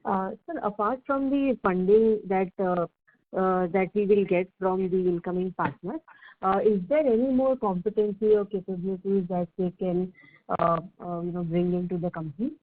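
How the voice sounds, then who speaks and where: A woman's voice: medium pitch, moderate pace. Hesitant woman on phone line. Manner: hesitant, many "uh"s. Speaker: analyst. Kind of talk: earnings call question. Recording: distant tinny phone line.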